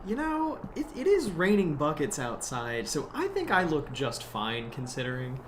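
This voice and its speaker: A man's voice: fairly high pitch, huge pitch swings, normal speed. An actor playing an anxious, practical young man with an earnest, hesitant manner in an audio drama. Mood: dry, uneasy. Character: anxious, practical young adult urging friends to flee. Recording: clear background noise.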